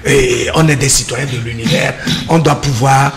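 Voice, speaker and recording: A man speaking as a panel guest, earnest and halting, with frequent hesitations. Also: mid-range voice, fairly even intonation, music in the background. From Togo. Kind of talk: reflective debate talk.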